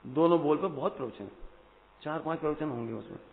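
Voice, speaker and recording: A man giving a devotional discourse to a hall audience, animated and questioning his listeners, rising to loud emphatic peaks. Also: a little high, brisk, vocal fry, a little hiss or hum. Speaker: Jain discourse speaker. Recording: phone-like audio in a reverberant hall.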